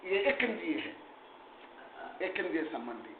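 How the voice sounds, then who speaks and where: A high-pitched man with a very lively, rising and falling voice teaches a scripture class, emphatic and scolding his students. The sound is echoey and thin like a phone line. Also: normal speed. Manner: emphatic, animated, chiding students, mixes English terms. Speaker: Jain monk teacher. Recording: echoey room, tinny phone-like sound, faint noise.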